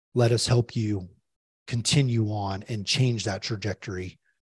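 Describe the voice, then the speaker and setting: Against a quiet background, a man speaks in a fairly low, somewhat breathy voice. His intonation is fairly even and his pace fairly slow. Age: 40s. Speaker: former military pilot. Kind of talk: interview.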